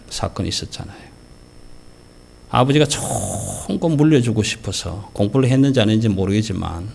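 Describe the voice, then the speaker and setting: A man's voice: deep voice, vocal fry, a little hiss or hum. A middle-aged man preaching a sermon as pastor, telling stories and acting out the voices of parents and children. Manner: lively storytelling, acting out quoted parents and children. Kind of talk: Easter sermon.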